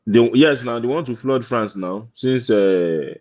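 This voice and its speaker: A man's voice: mid-range voice, unhurried, a loud crowd. A man in a casual group chat who chimes in often with short agreeing remarks. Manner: agreeable, frequent short backchannels and laughs. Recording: dull lo-fi audio.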